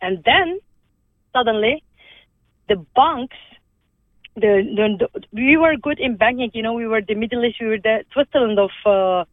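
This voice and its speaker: A woman's voice: a little high, dry recording. Woman over a phone line. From Lebanon. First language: Armenian. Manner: earnest, halting, with many restarts. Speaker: guest. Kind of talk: conversational interview.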